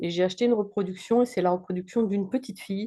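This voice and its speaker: Against a quiet background, a woman speaks at medium pitch with a dark, mellow tone. Her intonation is fairly even. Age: 60s. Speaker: nurse seeking hypnosis session. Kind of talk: personal testimony in therapy intake. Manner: halting.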